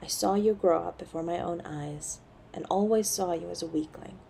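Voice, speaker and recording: A woman playing a haughty, cold succubus mother in an audio drama, speaking formally and with disdain in a husky, creaky voice. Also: fairly low pitch, normal speed, mellow, a little hiss or hum. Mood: stern, grudging. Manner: imperious, formal, disdainful of mortals. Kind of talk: audio roleplay drama acting.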